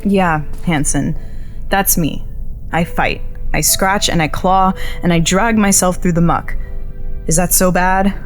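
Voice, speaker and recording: Low-voiced, defiant young woman played by an actress. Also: fairly even intonation, a little slow, faint music behind, close to an everyday voice. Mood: wounded defiance. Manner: blunt, sarcastic, argumentative. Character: stubborn, defiant young woman journalist, bitter and combative. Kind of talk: naturalistic audio drama dialogue.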